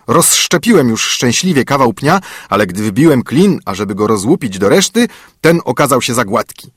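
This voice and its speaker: A man voicing a grumpy, ungrateful little bearded dwarf with a thin, shrill voice who scolds and snaps. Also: sing-song, moderate pace, a bit bright, husky, no room sound, studio quality. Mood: scolding. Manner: scolding, snapping, whining.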